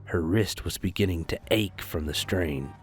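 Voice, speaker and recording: A man's voice: low voice, moderate pace, over music. A man reading scripted story narration expressively as the narrator of an audio drama.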